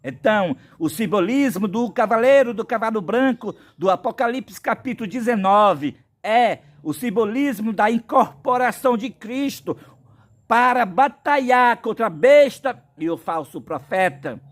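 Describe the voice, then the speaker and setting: A man's voice: high voice, lively intonation, unhurried. A man from Brazil preaching a prophetic sermon, insistent and packed with biblical references.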